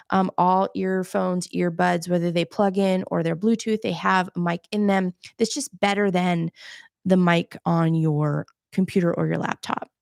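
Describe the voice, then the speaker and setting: A soft-voiced woman hosting a live podcasting Q&A, chatting casually while she shows gear on camera. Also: fairly low pitch, vocal fry, dry recording, clean studio sound. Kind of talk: casual live-stream tutorial.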